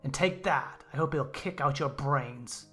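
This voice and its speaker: A woman voicing a spiteful, hot-tempered older boy who hurls scornful curses in a lowered voice. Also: measured pace, fairly bright tone, soft background music. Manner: scornful, cursing, contemptuous.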